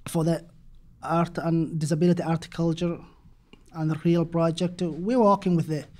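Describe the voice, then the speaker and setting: A young man from Somalia giving a panel talk in second-language English. He speaks very slowly with pauses and restarts. His voice sits fairly high but sounds soft and dark. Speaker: panel presenter. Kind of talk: panel presentation.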